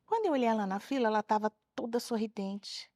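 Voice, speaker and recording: Lively woman telling classroom stories. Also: on the high side, fast talker, no room sound, clean studio sound. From Brazil. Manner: animated storyteller, acts out children's voices. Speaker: retired teacher and author, guest. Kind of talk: interview storytelling. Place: TV studio.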